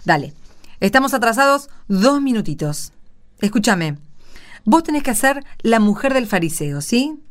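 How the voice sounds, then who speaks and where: A woman's voice: on the high side, big pitch swings, normal speed. A woman with an Argentine accent, hosting and narrating a scripted radio theatre piece. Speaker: radio play host and narrator.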